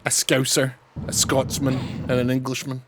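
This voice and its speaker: A young man from Scotland with a mild Scottish accent, chatting excitably through a casual game stream, thanking followers and swearing now and then. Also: medium pitch, normal speed, background noise. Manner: chatty and excitable, swears, reads out chat names. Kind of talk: casual live-stream gameplay chat.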